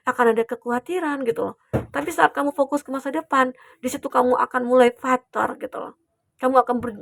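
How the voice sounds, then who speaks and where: Young woman, tarot reader, slightly high voice with vocal fry, reassuring and chatty, dry close sound. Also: dry recording. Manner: gentle, reassuring, with many fillers and tag questions. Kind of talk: collective tarot reading.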